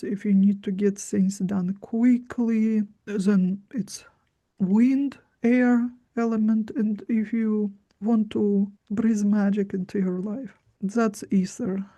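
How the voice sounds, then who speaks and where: A woman's voice: mid-range voice, fairly even intonation, takes it slowly, dark tone. A woman giving informal spiritual instruction in short, simple phrases. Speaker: spiritual teacher.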